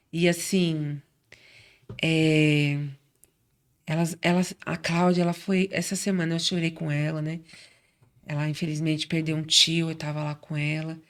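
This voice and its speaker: A middle-aged woman from Brazil telling her faith story in casual chat, acting out quoted voices as she goes. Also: sits low. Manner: warm chatty storyteller, acts out quoted voices. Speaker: guest.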